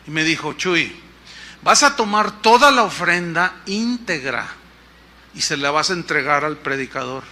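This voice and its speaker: A man's voice: high-pitched, pushed and bright. A man preaching as a pastor, telling a story in a sermon and acting out the voices of the people in it. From Mexico.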